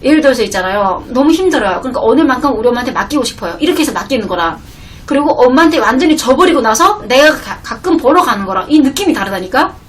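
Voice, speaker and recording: Woman, 30s, livestream host, fast emotional storytelling, high-ish voice, distant mic with faint rumble. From North Korea. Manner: emotional, animated retelling. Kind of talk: casual personal storytelling. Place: home livestream room.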